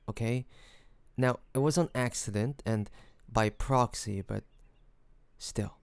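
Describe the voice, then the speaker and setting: A man playing a smitten, courteous mafia boss in an intimate romantic audio roleplay, speaking haltingly with bashful hesitations. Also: lowish voice, creaky, a little mellow, dry recording. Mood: earnest, nervous.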